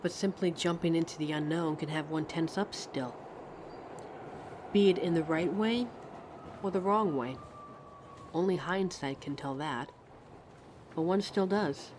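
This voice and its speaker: A woman's voice: low voice, unhurried, pauses often. A woman playing a pensive, friendly train passenger in a conversational ASMR roleplay, musing hesitantly as she talks to a stranger. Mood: reflective. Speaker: audio roleplay performer. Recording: steady train ambience noise. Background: train ride sound effects.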